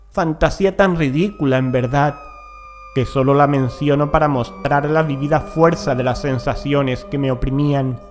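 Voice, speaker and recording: A man reading a gothic horror tale as an audiobook narrator, in a measured, deliberate manner with dramatic pauses. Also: a little high, a little mellow. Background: music.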